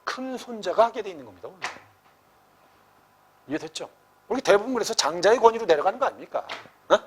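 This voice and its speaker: A man tutoring students through a classical novel passage, talking in a blunt, slangy way and often checking that they follow. His voice sits high for a man and swings widely in pitch as he explains. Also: quick pace, a little hiss or hum. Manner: animated, blunt, slangy teacher voice with frequent check-ins to students. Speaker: Korean literature tutor.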